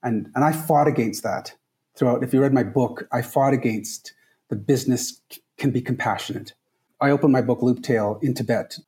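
A man from Trinidad speaks as a podcast guest, earnest and emphatic, often repeating his key points. His voice is mellow and warm, with a relaxed tone. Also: medium pitch, moderate pace. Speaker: guest, travel company founder. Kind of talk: podcast interview answers.

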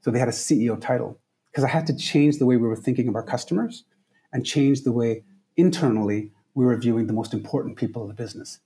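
A man from Trinidad speaks as a podcast guest, earnest and emphatic, often repeating his key points. His voice is mellow and warm, with a relaxed tone. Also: medium pitch, quick pace. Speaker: guest, travel company founder. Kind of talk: podcast interview answers.

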